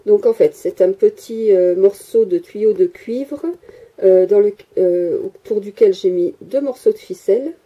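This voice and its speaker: A woman's voice: medium pitch, unhurried, warm tone, husky, muffled recording. A woman chatting casually while filming her handmade miniature workshop, rambling with many hesitations and joking at herself, picked up by the microphone of the camera she holds. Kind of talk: casual chatty show-and-tell. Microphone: handheld camera mic.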